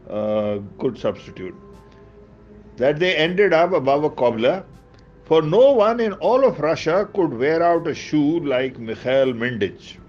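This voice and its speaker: A man with a South Asian accent reads a book aloud as a storyteller, theatrical in delivery, with conversational asides. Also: medium pitch. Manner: theatrical, hesitant in asides, switches between English and Urdu. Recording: dull lo-fi audio with background music. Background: music.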